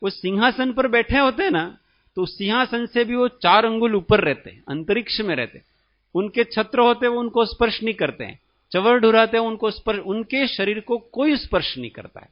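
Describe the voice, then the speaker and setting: A man from India, a spiritual teacher, gives a religious discourse in a high voice, slowly explaining and asking his listeners questions. The recording is dull and lo-fi, and his voice sounds dry and close. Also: lively intonation, no echo.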